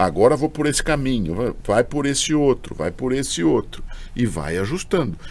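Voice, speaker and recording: Man at medium pitch and moderate pace, with very wide pitch swings. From São Paulo state, Brazil (Piracicaba). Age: 60s. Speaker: professor. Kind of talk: podcast interview.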